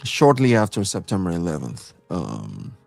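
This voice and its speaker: A middle-aged man from Trinidad with a Trinidadian accent, chatting casually as co-host, animated and quick to laugh, with plenty of fillers and restarts. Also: deep voice, vocal fry, soft background music. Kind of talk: casual chat.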